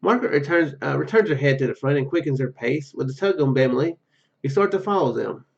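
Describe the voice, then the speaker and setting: A man with a fairly high voice plays a story game for his viewers. He reads the narration aloud, tripping over words and dropping in casual comments. The microphone sound is a little dull. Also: lively intonation, fast talker, creaky. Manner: stumbles over words while reading. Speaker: gaming video host.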